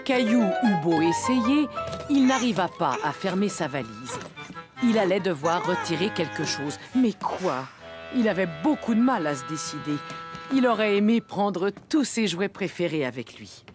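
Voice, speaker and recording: A woman narrating a scripted children's story in an expressive storytelling manner. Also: lowish voice, a little slow, over music.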